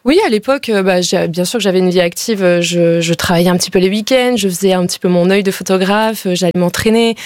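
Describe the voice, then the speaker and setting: A woman's voice: lowish voice, quick pace, few pauses, darkish tone, dry recording. A young woman from northern France, a radio guest telling her story with hesitant speech and many fillers. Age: young adult. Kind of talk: personal testimony. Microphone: studio microphone.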